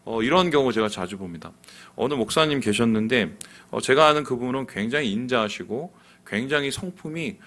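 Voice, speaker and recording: A middle-aged pastor delivers a sermon with a bright, forward tone. His pitch swings widely as he preaches and acts out the voices he quotes. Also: animated, fairly quick.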